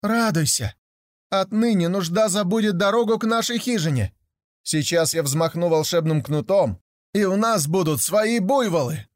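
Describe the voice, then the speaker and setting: A man voicing an eager young village boy who talks in an excited, proud way. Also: fairly high pitch, brisk, few pauses, dry recording, studio quality, pitched above the performer's own voice, close to an everyday voice.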